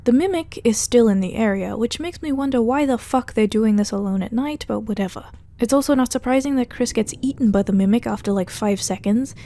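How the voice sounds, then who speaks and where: A woman with a fairly high voice and a very soft, mellow tone narrates a video essay. She talks conversationally, recapping and commenting as she goes, with a dry, sardonic edge. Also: fairly quick, hardly any pauses. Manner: conversational, wry, sardonic asides. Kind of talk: casual narrated recap and commentary of a horror web series.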